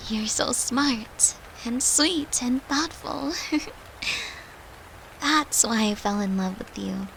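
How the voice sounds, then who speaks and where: Steady rain-like noise sits behind a tender, devoted girlfriend, acted by a woman in an intimate comfort roleplay. Her voice is fairly high, with a creaky edge. She speaks slowly and soothingly, with great affection. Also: heavily acted, poor audio. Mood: loving, earnest. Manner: soft, soothing, affectionate, unhurried, at times whispering.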